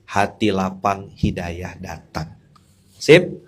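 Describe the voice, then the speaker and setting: A man's voice: sits low, animated, slow, breathy edge. A male Islamic preacher, giving a casual, humorous sermon and often asking his audience questions.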